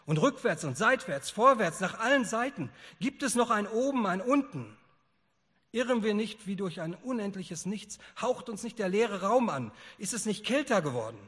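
A man's voice: high voice, very animated, moderate pace, a bit bright, breathy edge, in a large hall, voice pushed up, full character voice. A man reading aloud as a frantic madman who proclaims that God is dead, firing off urgent rhetorical questions. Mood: fervent. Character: frantic madman proclaiming God's death, male.

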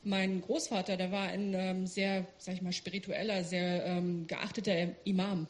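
A woman's voice: lowish voice, flat delivery, moderate pace. A woman working as an interpreter, rendering a guest's testimony in church line by line. She speaks fluently, with the odd hesitant filler.

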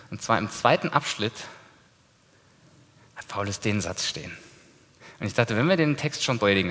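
Casual preaching man in an echoing hall. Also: fairly low pitch. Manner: lively, informal preaching with casual slang. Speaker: pastor. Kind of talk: sermon. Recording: long hall reverb.

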